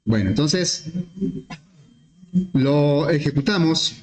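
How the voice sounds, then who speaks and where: A man teaching programming, explaining step by step with questions to the class and often clearing his throat. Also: fairly high pitch, animated, slow. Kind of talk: screen-recorded class explanation. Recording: echoey room.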